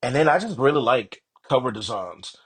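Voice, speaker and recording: A man talks as a guest author in a casual interview. His voice sits at an average pitch, and his delivery is informal and conversational. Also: very animated, moderate pace, fairly bright tone, breathy edge.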